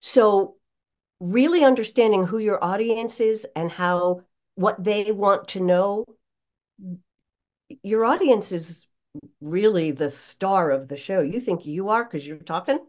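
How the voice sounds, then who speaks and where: A woman's voice: medium pitch, slow pace, dull audio. A woman giving conversational coaching advice as an interview guest, speaking expressively and emphatically. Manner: expressive, emphatic, acts out examples.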